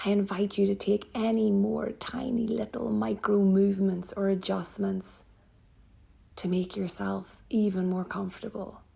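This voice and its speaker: A woman yoga teacher guides a relaxation meditation, speaking softly and breathily in a soothing way with gentle pauses. Her voice is mid-range.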